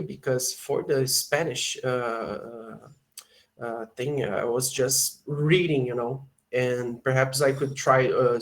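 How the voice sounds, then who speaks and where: A Brazilian man with a Brazilian Portuguese accent, a student on a video call who hesitates and fills pauses while he hunts for words. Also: mid-range voice. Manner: hesitant, many fillers while searching for words. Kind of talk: casual conversation lesson.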